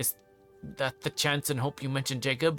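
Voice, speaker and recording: Against faint music in the background, a man of medium pitch does a put-on character voice at a fairly quick pace. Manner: faltering.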